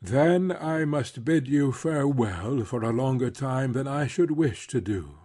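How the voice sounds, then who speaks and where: Husky, grave colonel, played by a man. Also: mid-range voice, lively intonation, unhurried, mellow. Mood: polite, grave. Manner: formal, restrained, polite. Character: grave, courteous, reserved English gentleman colonel. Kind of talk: dramatised classic novel reading.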